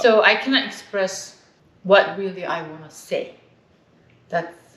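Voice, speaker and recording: A woman with a Korean accent at medium pitch and a fairly slow pace, with audible room echo and noticeable background noise. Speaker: YouTuber, half of a married couple. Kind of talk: casual chat.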